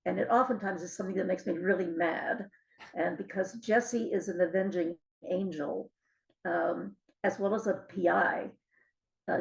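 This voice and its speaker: Older woman with a creaky, gravelly voice. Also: medium pitch, rough recording. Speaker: author being interviewed. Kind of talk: conversational interview recollection.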